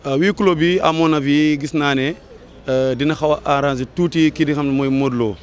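A young Senegalese man who works as a correspondent speaks in a measured, analytical way, his slightly high voice broken up by hesitant fillers. He is on a sunny street with handheld mics held close to him. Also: fairly even intonation. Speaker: local TV correspondent. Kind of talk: street interview. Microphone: handheld reporter mics held close.

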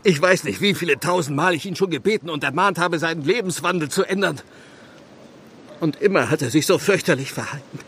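An actor playing an anguished village clergyman burdened with guilt, speaking gravely and earnestly in a radio play. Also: fairly high pitch, fairly quick, a bit bright, a little hiss or hum. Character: anguished, guilt-ridden English village clergyman confessing murder. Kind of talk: German radio play acting.

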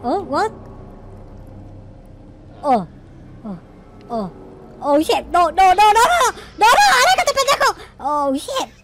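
A man playing a naive, panicky noob game character in excited, repetitive roleplay commentary. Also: very high voice, slow pace, long pauses, full character voice. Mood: panicked. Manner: frantic, repetitive, exclamatory. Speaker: gaming video creator. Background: faint music.

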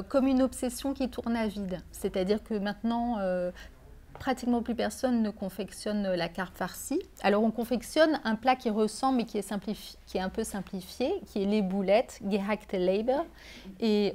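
A woman's voice: a little high, a little mellow. A middle-aged woman author speaking at a bookshop reading, hesitant, with many fillers and restarts. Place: bookshop reading event, indoors.

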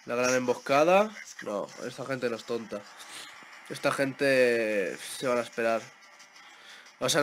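A young man with a Spain Spanish accent giving excitable live gameplay commentary, repeating words in quick bursts as he plays. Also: medium pitch, a little hiss or hum. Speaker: gaming YouTuber.

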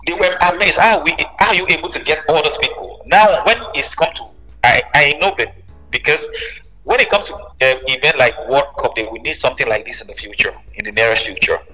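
A slightly fast male voice on the high side, with a sharp tone, belongs to a musician being interviewed who hammers home points by repeating himself. It was captured in a reverberant space with a long echo.

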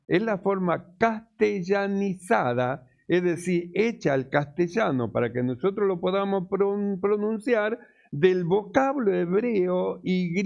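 A man preaching a sermon as pastor, teaching slowly and deliberately, repeating key words. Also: high-pitched, vocal fry, a little mellow, muffled recording. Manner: slow, deliberate teaching with repetitions.

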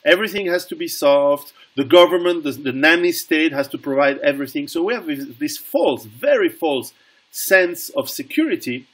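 Husky-voiced middle-aged guy on a video call, earnest, keeps restarting his sentences. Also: fairly high pitch, animated, normal speed, fairly bright tone. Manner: earnest, with many restarts and repeated words. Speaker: guest author. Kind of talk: casual interview over video call.

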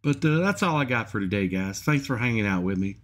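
A man hosting a repair channel, giving a casual off-the-cuff update in a halting, folksy way. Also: fairly low pitch, expressive. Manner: halting, hesitant, folksy phrasing. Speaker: host of an engine repair channel.

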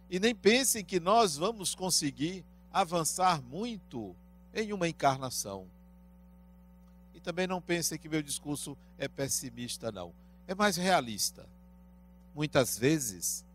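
A man in his fifties from Brazil giving a spiritist lecture into a handheld microphone in a small room, asking rhetorical questions in a measured way. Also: a little high. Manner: slow, deliberate, rising and falling in loudness.

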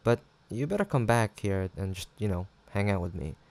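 Playful and relaxed, this intimate roleplay audio drama has a young male voice actor playing a teasing, affectionate, easygoing student roommate with hesitant banter. He speaks briskly in a lowish, slightly mellow voice with lively intonation.

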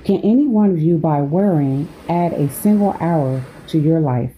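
A woman hosting a Christian sleep meditation, reading scripture in a measured way with pauses between phrases. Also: deep voice, expressive, phone-quality sound, a little hiss or hum.

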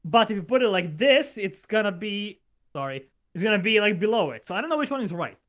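A young man chatting excitedly as a guest while building things in a VR game with a friend. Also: high-pitched, brisk. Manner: excitable, exclaims and laughs. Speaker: co-op gaming guest. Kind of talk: casual co-op gameplay chat.

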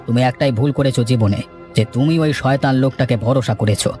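A man playing a shrewd, seasoned land broker in a cartoon, giving measured, matter-of-fact advice and cautions. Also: mid-range voice, mellow, faint music behind, lightly acted. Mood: confiding, advising. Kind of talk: dramatized cartoon dialogue.

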